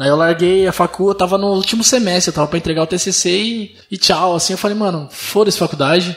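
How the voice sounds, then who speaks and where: Against noticeable background noise, a man speaks at a fairly quick pace in a high pitch. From Brazil, Diadema (Greater São Paulo). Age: 20s. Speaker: front-end developer and podcaster. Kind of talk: casual chat.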